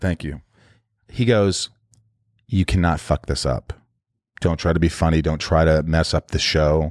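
A man with a very deep, low voice speaks fairly slowly, with long, frequent pauses. The recording is very clean and dry, close with no echo and a silent background. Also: ordinary pitch variation. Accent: New York. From Indiana (born in New York). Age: 40s. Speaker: actor. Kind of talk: casual chat.

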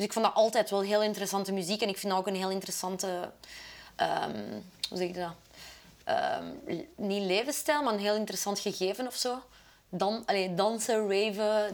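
An ordinary speaking voice talks at a moderate pace. Its pitch varies in an ordinary way. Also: woman, medium pitch for a woman. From Belgium, Brussels. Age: 20s. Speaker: DJ. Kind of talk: casual interview.

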